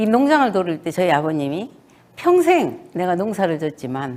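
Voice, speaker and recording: With a dark, mellow tone, this woman speaks at a medium pitch that takes very wide swings. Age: 70s. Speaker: network marketing business leader, former midwife. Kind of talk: motivational testimony speech.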